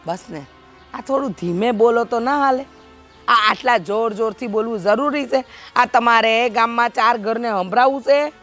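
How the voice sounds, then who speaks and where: An actress with a Kathiyawadi accent playing a sharp-tongued village housewife who argues and complains in an exasperated way. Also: female voice, fairly high pitch, moderate pace, faint music behind, lightly acted. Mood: arguing. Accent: Kathiyawadi Gujarati. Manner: exasperated, nagging. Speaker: wife and sister-in-law. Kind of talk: village family drama acting.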